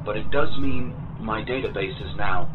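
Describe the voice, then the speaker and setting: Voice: medium pitch, moderate pace, music in the background, natural voice, low-quality recording. An actor playing a composed computerised spacecraft assistant in an audio drama, with formal, precise phrasing.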